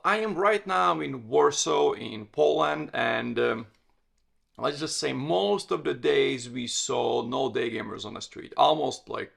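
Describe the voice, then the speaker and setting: A man's voice: medium pitch, creaky, fairly bright tone, breathy edge. A man from Latvia, hosting a solo podcast in a direct, conversational way and often correcting himself mid-sentence. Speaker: podcast host and dating coach.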